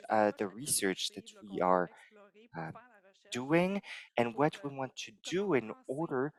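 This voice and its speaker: A man interpreting a conference talk live into English, measured and halting, pausing as he translates. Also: mid-range voice, a bit bright, low-quality recording. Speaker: simultaneous interpreter.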